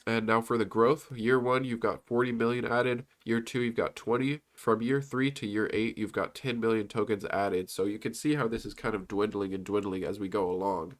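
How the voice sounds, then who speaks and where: A young man with a low, stuffy voice, congested from a cold, walks through investment slides in a loose, rambling way. He talks casually, full of fillers and false starts, and sounds like a regular on his own channel. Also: fairly even intonation, normal speed, few pauses. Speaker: stock commentary YouTuber. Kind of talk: casual commentary over on-screen slides.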